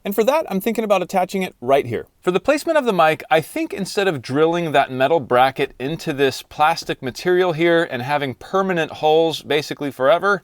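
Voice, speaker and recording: A man with a fairly high voice hosts a casual how-to vlog, installing car gear in and around a car in a garage. He speaks in an informal, plain-spoken way, and the studio-quality audio has no room sound.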